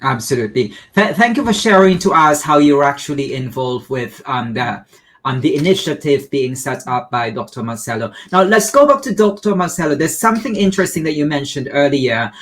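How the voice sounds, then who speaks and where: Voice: mid-range voice, big pitch swings, a little fast. An interview host asking questions hesitantly, with frequent ums, on a video call.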